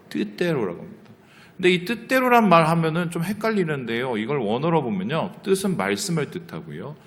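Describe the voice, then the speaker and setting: In the church sanctuary, a man with a mid-range voice preaches as pastor, lively and engaging: he asks the congregation questions and acts out quotes from the story. The recording carries the church's hall reverb, with the congregation reading aloud together behind him.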